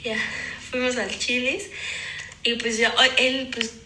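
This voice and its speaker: A Mexican woman in her twenties, telling a story in casual chat, animated and dramatic, acting out what people said. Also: a little high, slow pace, a loud crowd. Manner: animated, dramatic retelling with acted-out quotes. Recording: echoey room.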